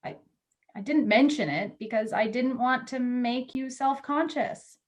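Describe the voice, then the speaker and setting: Woman acting a candid, higher-voiced editor. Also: measured pace. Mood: frank. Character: candid, loyal female magazine editor, jaded about love. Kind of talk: virtual staged play reading.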